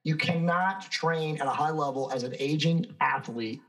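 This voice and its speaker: A man's voice: fairly high pitch, moderate pace, a bit bright, rough recording. A man in his fifties, a fitness expert guest answering interview questions in an emphatic, self-assured, lecturing way. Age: 50s.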